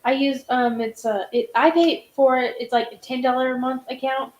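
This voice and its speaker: A woman's voice: high voice, level tone, moderate pace, a little mellow. Chatty woman in a roomy echo. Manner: rambling, lots of "like" and restarts. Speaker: host. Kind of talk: casual video-call chat.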